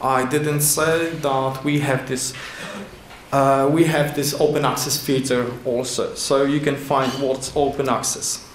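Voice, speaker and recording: Brief: male conference presenter, mid-pitched, halting English with lots of fillers, lectern mic in an echoey hall with faint room noise. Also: little pitch movement. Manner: halting non-native English with many fillers and restarts. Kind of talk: conference talk with slides. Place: large indoor conference hall. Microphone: lectern microphone at a podium.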